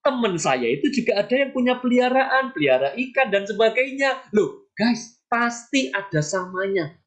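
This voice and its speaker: Animated high-voiced woman coaching. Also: normal speed. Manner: emphatic, chatty, addresses listeners directly with rhetorical questions; acts out short sample dialogues. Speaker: business mentor and trainer. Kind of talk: motivational sales training talk.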